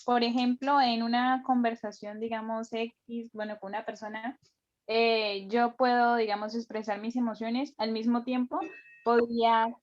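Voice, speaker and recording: A woman's voice: a little high, flat delivery, unhurried. Hesitant woman student answering. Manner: hesitant, searching for words. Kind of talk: answering in class. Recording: dull lo-fi sound.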